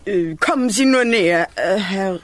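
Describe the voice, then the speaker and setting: An actress playing an aunt in her fifties overcome by long-lost love in a German audio drama, halting and stammering. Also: mid-range voice, lively intonation, noisy background, close to an everyday voice. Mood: flustered. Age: 50s.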